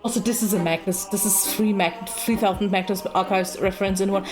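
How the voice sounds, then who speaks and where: A woman's voice: mid-range voice, steady tone, a little fast, music in the background. A woman giving casual gameplay commentary as a streamer, reacting to a video game.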